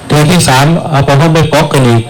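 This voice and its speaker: A man, an abbot with an Isan accent, preaching at a village merit-making ceremony, telling stories in a lively way and acting out the voices of the people in them. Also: a little high, quick pace, poor audio. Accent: Isan (northeastern Thai). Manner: lively storyteller acting out quoted voices, calls for blessing. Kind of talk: storytelling folk sermon.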